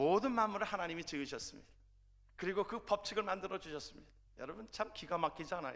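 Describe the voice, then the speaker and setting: A man's high-pitched voice at a very fast pace. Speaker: pastor. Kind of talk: sermon.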